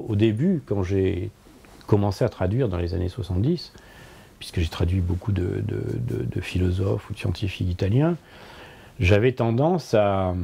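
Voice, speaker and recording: A husky, dark, low-sitting male voice with vocal fry belongs to a French-speaking philosopher in his sixties. Speaking in a conversational interview from a book-lined office, he is thoughtful and halting, with many repetitions and hesitations.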